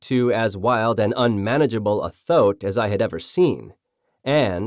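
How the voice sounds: The background stays quiet behind a voice that reads naturally.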